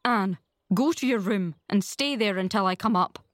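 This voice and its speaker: Storybook role: woman as stern guardian, dry, firm, measured, unshowy, closely recorded. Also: medium pitch, no room sound, lightly acted. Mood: firm, reproving.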